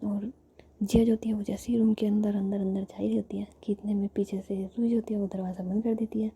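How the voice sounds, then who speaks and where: A woman narrating a romantic story in a steady whisper. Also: medium pitch, fast, breathy edge. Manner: soft whisper throughout, flat delivery.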